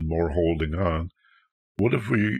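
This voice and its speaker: A man's very deep, low voice, somewhat breathy, at a very slow pace. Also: dry, close sound with no echo. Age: 70s. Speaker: spiritual teacher and podcast host. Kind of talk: lecture. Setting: online class on Zoom.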